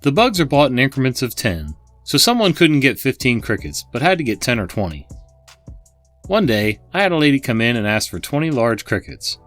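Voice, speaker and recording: A man's voice: medium pitch, very animated, a little fast, a bit bright, soft background music. A man hosting a channel, reading online stories aloud with chatty asides to his viewers. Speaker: host and narrator.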